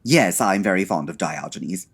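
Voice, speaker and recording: A man's voice: sits low, lively intonation, husky, exaggerated voice. A man playing a flamboyant, affectionate gay photographer with an effusive, affected manner in a comedic audio drama. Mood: charming, amused. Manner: effusive, affected, drawn-out endearments.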